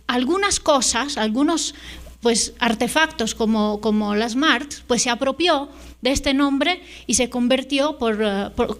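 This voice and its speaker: A woman's voice: high voice, fairly bright tone. A middle-aged woman whose first language is Italian, giving an invited conference talk in a hesitant way, full of fillers and tag questions. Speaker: invited lecturer.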